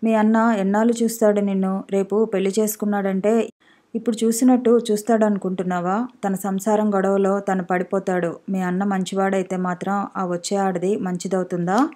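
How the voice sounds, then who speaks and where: A woman's voice: mid-range voice, level tone, normal speed, dark tone, lightly acted. A woman voicing a young husband who tries to win back his wife with persuasive, coaxing talk in a storybook reading. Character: smooth-talking estranged husband, young man, coaxing.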